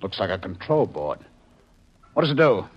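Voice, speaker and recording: An actor in a 1950s radio drama playing an inquisitive, level-headed police investigator with an earnest, probing manner. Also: male voice, sits low, big pitch swings, moderate pace, husky, highs cut off, full character voice.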